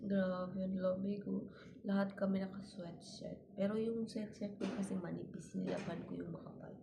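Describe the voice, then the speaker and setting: Through audible room echo and noticeable background noise, a woman speaks at a moderate pace and a medium pitch, her intonation monotone and flat. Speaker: vlogger. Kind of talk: casual vlog talk.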